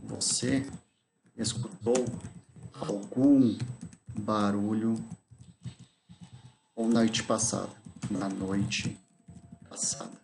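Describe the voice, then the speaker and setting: Slow, low-voiced male teacher. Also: fairly even intonation, vocal fry, noisy background. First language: Portuguese. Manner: slow, deliberate, spelling out examples as he types. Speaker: English teacher. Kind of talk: screen-recorded lesson explanation.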